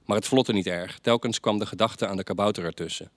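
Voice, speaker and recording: Low-voiced man reading stories aloud. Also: dry recording. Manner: measured, lightly chatty between pieces. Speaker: reader at a reading night.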